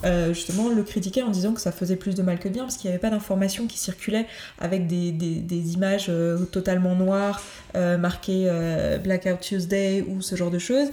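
A woman's voice: fairly low pitch, steady tone, a little fast, warm tone, reverberant. A woman hosting her own coaching podcast, talking earnestly and hesitantly, with many fillers and restarts. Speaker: podcast host, certified coach. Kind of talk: solo podcast talk.

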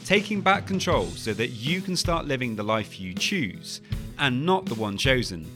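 A man's voice: mid-range voice, big pitch swings, normal speed, over music. A man hosting a podcast, friendly and hesitant, with many uhs and restarts. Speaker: podcast host and coach. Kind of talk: podcast intro and interview.

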